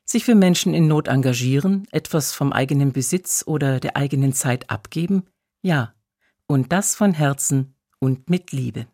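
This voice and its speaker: A preacher giving a scripted radio devotional, measured in delivery, slowing down to stress key phrases and reading scripture solemnly. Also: mid-range voice, mellow, dry recording, studio quality.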